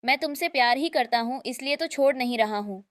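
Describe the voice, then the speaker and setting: A woman's voice: high-pitched, fairly quick, no room sound, lightly acted. A woman reading the lines of a possessive rich young husband in an insistent, commanding manner.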